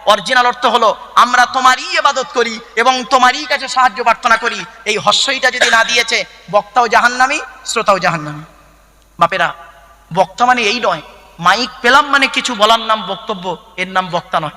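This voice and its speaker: A man's voice: very high voice, brisk, pushed and bright, long reverb tail. A male preacher gives a waz sermon, emphatic and teaching, with many rhetorical questions. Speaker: Islamic preacher.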